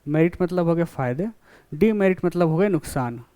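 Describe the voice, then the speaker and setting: High-voiced lecturer, crisp and dry. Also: male voice, expressive, brisk, mellow, no echo. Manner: explains with classroom examples, often checks understanding. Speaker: college lecturer. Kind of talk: classroom lecture.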